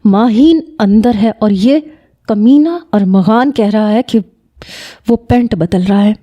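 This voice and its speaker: A woman voicing a jealous, hot-tempered young man who shouts angrily. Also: mid-range voice, lightly acted. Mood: indignant. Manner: shouting, angry.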